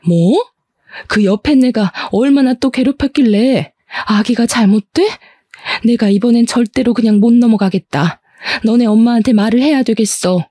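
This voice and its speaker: A woman's voice: on the high side, warm tone, no room sound, studio quality, close to an everyday voice. A woman voicing an outspoken, protective aunt. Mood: indignant. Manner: brisk, indignant, protective.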